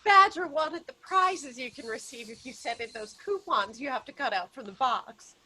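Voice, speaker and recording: A woman's voice: high-pitched, animated, normal speed, sharp tone, a little hiss or hum, low-quality recording. A woman playing a sweet, placating suburban mother in a comedic script read, soothing and earnest. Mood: sweetly earnest.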